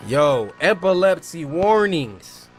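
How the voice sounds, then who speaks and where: A man's voice: a little high, sing-song, slow pace, faint music behind. A man streaming reactions to horror shorts in casual slang, scared and jumpy, exclaiming and protesting at what he watches.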